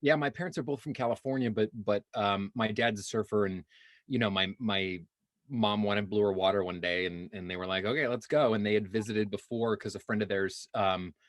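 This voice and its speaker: A man in his thirties speaks in a low voice, recorded close and dry. He rambles through his stories with fillers and restarts, and sometimes acts out the voices of people he quotes. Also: fairly even intonation, brisk, no echo. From Hawaii. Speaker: guest actor. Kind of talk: casual interview chat.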